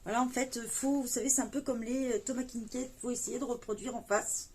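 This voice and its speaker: High-voiced woman chatting through a haul. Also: fairly even intonation, a little fast, a little mellow, slightly rough. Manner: chatty, lots of fillers and "voilà", delighted exclamations. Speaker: coloring book haul vlogger. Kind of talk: casual unboxing chat.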